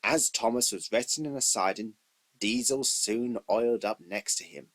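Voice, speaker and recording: Husky male storybook narrator. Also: fairly low pitch, moderate pace, a bit bright. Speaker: narrator of a children's train story. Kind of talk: scripted storybook narration, read in takes.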